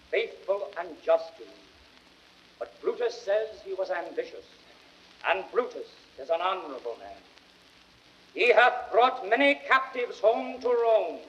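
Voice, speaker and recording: An actor playing a grieving, slyly ironic Roman orator, delivering a measured, impassioned speech in classical Shakespearean radio-drama style. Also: male voice, high voice, fairly bright tone, a little hiss or hum, exaggerated voice. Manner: declamatory, measured, rhetorical. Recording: dull vintage record sound.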